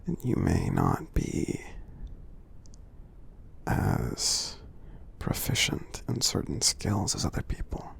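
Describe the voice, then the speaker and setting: A man voicing a kindly, reassuring giant in a soothing ASMR roleplay, half-whispering with a husky, gravelly creak and halting delivery. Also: low voice, huge pitch swings, a little hiss or hum, heavily acted. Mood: soothing, caring. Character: gentle friendly male giant, kindly and reassuring. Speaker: ASMR performer.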